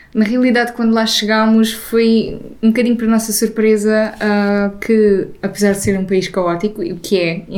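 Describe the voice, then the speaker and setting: A woman speaks with monotone, flat intonation. She leaves hardly any pauses. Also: moderate pace. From Portugal. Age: 20s. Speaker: traveller. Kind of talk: casual chat.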